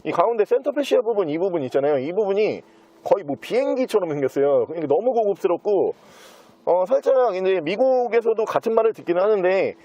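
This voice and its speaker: Man, high voice, smooth used-car salesman patter, walkthrough presentation, soft mellow timbre, dull muffled recording. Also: very animated, fast, no echo.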